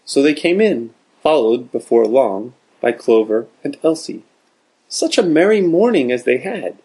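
Expressive husky male storyteller. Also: medium pitch, measured pace, rough recording. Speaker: audiobook narrator. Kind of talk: storybook narration.

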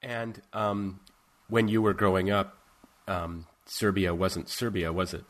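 A man hosting a podcast interview, asking questions in a measured way with frequent ums. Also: low voice, flat delivery, fairly bright tone. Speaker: podcast host.

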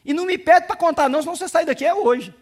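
A man with a Brazilian Portuguese accent, a pastor preaching a sermon with emphatic build-ups to shouts and asides to his congregation. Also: very high voice, racing.

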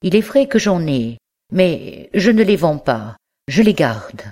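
A reader voicing an old male bookseller, miserly and secretive, who stammers and pleads over his precious books in a slow audiobook reading. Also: mid-range voice, sing-song, a little mellow, pitched above the performer's own voice. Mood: guarded.

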